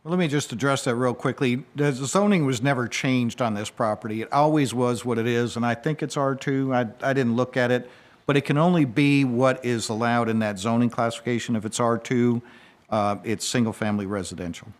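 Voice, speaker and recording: A man's voice: medium pitch, a little fast. Matter-of-fact man explaining at a meeting. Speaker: board member. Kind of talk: explanatory remarks at a government meeting. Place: indoor public meeting room.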